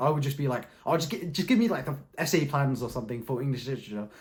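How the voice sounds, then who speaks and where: A man with a fairly high pitch talks at a very fast pace, somewhat breathy, with ordinary pitch variation and audible room echo. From India. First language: non-English (Indian language). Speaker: student study-tips YouTuber. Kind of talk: tutorial. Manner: casual, filler-heavy.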